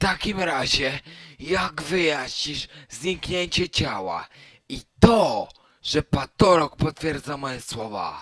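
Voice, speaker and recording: A man puts on a character voice with very wide pitch swings, speaking at a fairly slow pace. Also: fairly high pitch for a man, big swings in loudness, dry, close sound with no echo. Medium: machinima.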